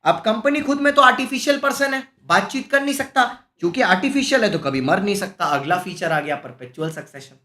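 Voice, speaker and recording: A man teaching a live-streamed exam-prep class, animated and scolding, full of rhetorical questions. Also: high voice, brisk, hardly any pauses. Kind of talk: lively live-streamed lecture. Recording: echoey room.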